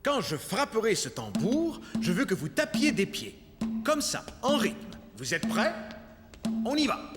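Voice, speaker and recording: An encouraging male gym teacher in a children's cartoon. He instructs step by step in a high, swooping voice, with long hall reverb and faint music. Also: huge pitch swings, a little slow, heavily acted. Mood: encouraging, instructing. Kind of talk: French children's cartoon dubbing.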